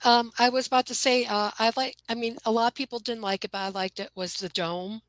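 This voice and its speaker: A woman's voice: fairly high pitch, steady tone, brisk, no room sound. A woman guest in a live film discussion, chatty and giggling, often saying "you know.". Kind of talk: casual live chat.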